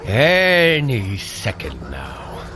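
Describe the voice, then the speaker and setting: An actor playing a noble, protective warrior god, earnest and commanding, in a scripted audio adventure. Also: male voice, fairly low pitch, wildly swooping pitch, extremely slow, pushed and bright, slight background noise, exaggerated voice. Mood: wry, watchful.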